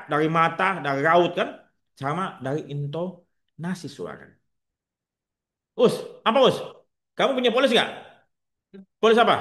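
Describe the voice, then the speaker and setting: A man teaching a class of staff fires questions at them and answers them himself. His speaking voice sits fairly high. He is blunt and slips in joking asides. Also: a bit bright. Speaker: insurance trainer.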